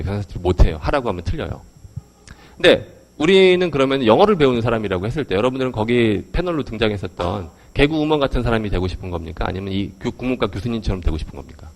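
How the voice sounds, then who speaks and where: A man giving a lecture to a live audience, speaking into a handheld microphone in a hall and putting questions to the crowd. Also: medium pitch. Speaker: English education lecturer.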